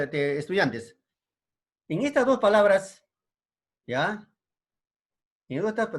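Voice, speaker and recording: A man's voice: a little high, husky. A man with a Peruvian Spanish accent teaching an online language lesson, explaining patiently and checking in with frequent tag questions. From Peru.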